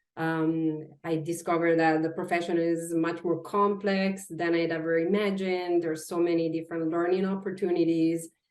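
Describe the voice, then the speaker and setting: A woman speaks at a moderate pace with an Italian accent. Her fairly low voice stays monotone and flat. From Italy. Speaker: veterinary oncology professor. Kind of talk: interview. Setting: recorded webinar.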